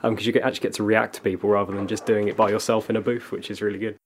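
A man actor chatting in a relaxed, easygoing way. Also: fairly low pitch, very fast, a little hiss or hum. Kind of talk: casual chat.

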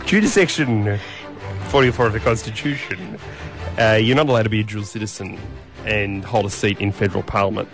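Deadpan male radio host. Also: lowish voice, fairly quick, over music. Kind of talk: playful radio banter.

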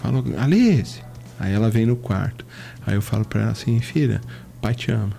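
Middle-aged man, earnest preacherly talk, mellow dark tone, faint music underneath. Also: lively intonation, normal speed, vocal fry. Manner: earnest, preacherly, reenacts dialogue with shifting pitch. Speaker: co-host of a film chat show. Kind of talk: casual chat.

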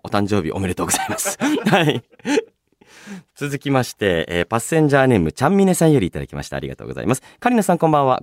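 A man with a fairly low, very animated voice hosts a radio show. He talks in a polite, expressive, chatty way as he goes through listener mail. The sound is close and dry, with music softly underneath. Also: no echo. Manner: polite, expressive, often breaking into laughter. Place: radio studio. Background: background music.

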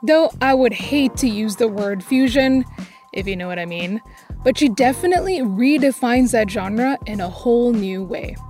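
A woman's voice: a little high, expressive, moderate pace, darkish tone, faint music behind. A woman hosting a podcast, introducing her guest and asking questions in a playful, upbeat way. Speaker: podcast host. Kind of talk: podcast interview.

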